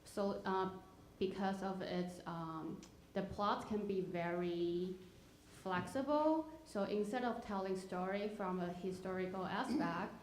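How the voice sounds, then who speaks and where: A woman's voice: mid-range voice, unhurried. Woman from Taiwan presenting in a roomy hall. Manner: explanatory, with frequent "uh" and "so". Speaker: theater producer presenting a slideshow. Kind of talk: live presentation to an audience. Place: theater auditorium at a live event. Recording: roomy hall sound with faint noise.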